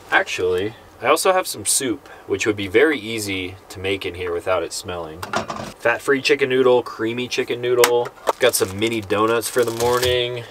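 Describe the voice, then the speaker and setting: A man's voice: mid-range voice, noisy background. A man in his thirties chatting casually to camera as a vlogger inside a small truck camper.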